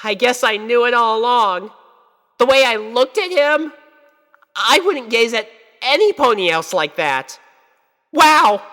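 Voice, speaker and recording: An anxious little cartoon filly, acted by a woman, with a high, bright voice that swings widely in pitch. The filly speaks in an earnest, hesitant way, like a storybook child in love, in a space with long reverb. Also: expressive, measured pace, long pauses. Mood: anxious, wondering. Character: anxious lovestruck little pony filly, young girl.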